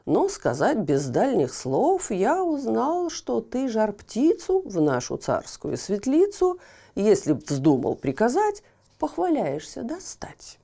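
Woman doing a loud grumpy old tsar, gravelly, slow and bossy, storybook style. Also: a little high, wildly swooping pitch, exaggerated voice. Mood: angry blustering. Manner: loud, gruff, slow and menacing. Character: angry bearded old tsar, blustering and threatening.

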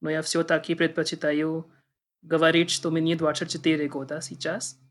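A man's voice: on the high side, completely flat delivery, normal speed. A man in his twenties from India, a native Hindi speaker with an Indian accent, speaking carefully and formally as an interview guest, a little nervous. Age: 20s. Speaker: podcast guest. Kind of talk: interview conversation in a second language.

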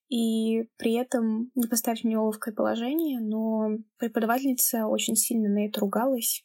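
A young woman in her late teens, from Kamchatka, with no accent, calmly telling her own story in a measured, reflective way. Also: a little high. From Kamchatka, Russia. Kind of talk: personal account, reflective narration.

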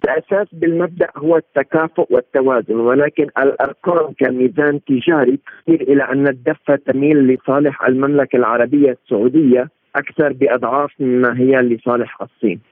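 The sound is a narrow, tinny phone-like line with a dry, echo-free feel. On it a man gives analytical commentary in formal Standard Arabic, explaining point by point and now and then restarting a phrase. His pitch sits in a middle range. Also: fairly even intonation, fast talker. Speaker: political and economic analyst, interview guest. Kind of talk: live interview commentary. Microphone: remote phone-like connection.

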